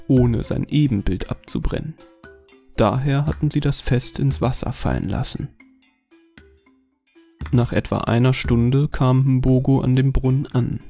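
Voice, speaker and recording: Man reading a horror story, gravelly and dark, steady pace, faint music behind. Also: mid-range voice. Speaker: narrator. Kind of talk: scripted horror story narration.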